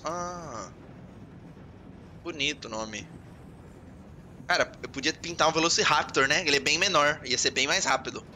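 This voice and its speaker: A man with a Brazilian Portuguese accent gives casual let's-play commentary, excitable and full of jokes and swearing. His voice is very bright and lively, sitting a little high. He keeps talking to himself as he plays. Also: slight background noise. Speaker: gaming channel host.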